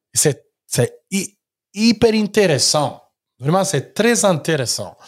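The speaker talks at a very slow pace in an Italian accent, sounding somewhat breathy. The recording is very clean, with a silent background. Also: man. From Italy (Genoa). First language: Italian (speaking French). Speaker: journalist, magazine director. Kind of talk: interview. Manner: halting.

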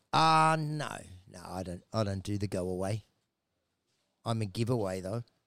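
A man with an Australian accent speaks at a moderate pace in a fairly low pitch, using lively intonation and long, frequent pauses, on a very clean recording with a silent background. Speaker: rock singer. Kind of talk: casual chat.

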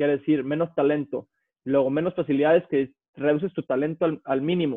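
With an unremarkable speaking voice, a man talks at a moderate pace with fairly even intonation. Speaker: competitive swimmer. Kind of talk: casual chat.

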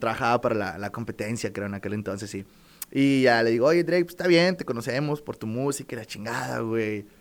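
This man speaks with lively intonation. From northern Mexico, Piedras Negras, Coahuila. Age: 30s. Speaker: radio host. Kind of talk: casual chat. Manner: fast.

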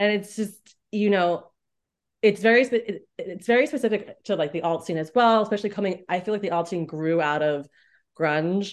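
A woman with an ordinary speaking voice talks at a moderate pace, her pitch medium with ordinary variation. The background is quiet. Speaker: visual artist and writer. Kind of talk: casual chat. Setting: video call.

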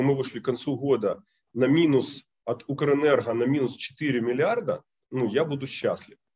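Using a normal speaking voice, a man talks at a fairly slow pace, his fairly high pitch showing ordinary variation. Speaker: energy company executive. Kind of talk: panel discussion. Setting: video call.

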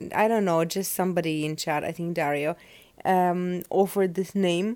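A woman with a Russian accent talks at a fairly slow pace in a dark, mellow tone at medium pitch. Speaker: podcast host and channeler. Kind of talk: casual solo podcast monologue. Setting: home recording, evening.

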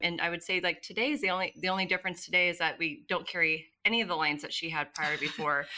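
Speaking at a very fast pace, a woman with an American accent has a fairly low pitch, a bright, sharp tone, and ordinary pitch variation on a very clean recording with a silent background. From US West Coast, San Diego area. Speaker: boutique owner. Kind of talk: casual chat. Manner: animated.

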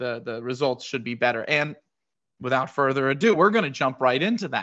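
His pitch is medium for a man. This man's pitch moves with ordinary variation. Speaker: sports podcast host. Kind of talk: casual sports analysis monologue. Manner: fast talker, excitable, with filler words.

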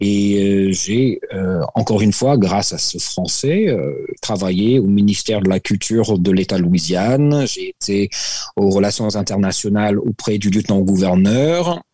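A man speaks at a fairly low pitch with ordinary pitch variation. His tone is dark and mellow. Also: fairly slow pace. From Louisiana, US. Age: 50s. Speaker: cultural advocate, tourism professional. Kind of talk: interview.

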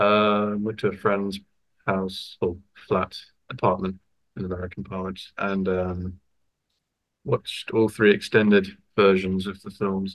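Using an English accent, a man speaks in a fairly low-pitched, monotone voice at a fairly slow pace, with long, frequent pauses. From England. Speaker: podcast guest. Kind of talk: casual chat.

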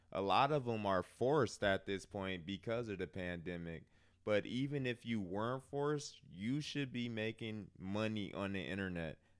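In a very clean recording with a silent background, a man with an American accent talks at a moderate pace in a fairly low pitch. He has an ordinary speaking voice, with lively intonation. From Milwaukee, US Midwest. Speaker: podcast co-host. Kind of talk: casual chat.

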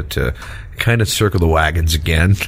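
A man's very deep, low voice in an American accent, with noticeable background noise. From Texas. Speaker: internet radio host, SEO expert. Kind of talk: casual talk-radio interview. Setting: studio. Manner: halting, repeats words often.

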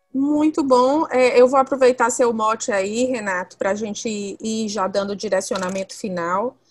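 Using a normal speaking voice, a woman talks fairly slowly at a fairly high pitch with ordinary pitch variation. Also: hardly any pauses. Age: 40s. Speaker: podcast host. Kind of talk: casual chat.

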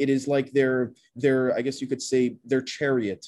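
A man speaks with a dark, mellow tone. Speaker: podcast host. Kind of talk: casual roundtable chat. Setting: video call.

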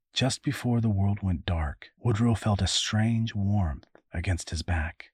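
Against a quiet background, the speaker reads aloud plainly with ordinary pitch variation.

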